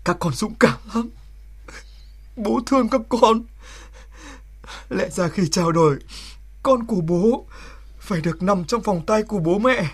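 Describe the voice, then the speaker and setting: A husky young soldier, new father. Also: very high-pitched, expressive, normal speed, long pauses, full character voice. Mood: tender. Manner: bossy and urgent, later soft and emotional. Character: young male soldier helping deliver a baby, flustered then tender. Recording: music playing behind. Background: music.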